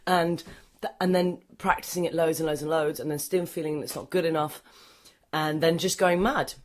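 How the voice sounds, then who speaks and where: Low-voiced woman rambling as a guest. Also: fairly even intonation, moderate pace. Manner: rambling, self-interrupting, laughs easily. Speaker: actress, podcast guest. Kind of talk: casual interview chat.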